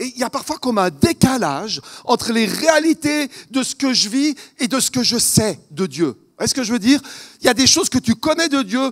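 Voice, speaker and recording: In a dry, close recording with no echo, a man with an extremely high pitch speaks at a moderate pace, using lively intonation and big swings in loudness. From Switzerland, canton of Vaud. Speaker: preacher. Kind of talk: sermon. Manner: halting, many repetitions.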